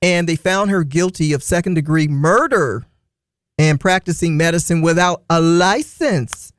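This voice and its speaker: A man's voice: on the high side, measured pace, no room sound. Playful radio host man, dry studio sound. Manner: playful, laughs often, chatty storytelling. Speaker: radio morning show host. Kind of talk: casual radio banter. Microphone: studio microphone.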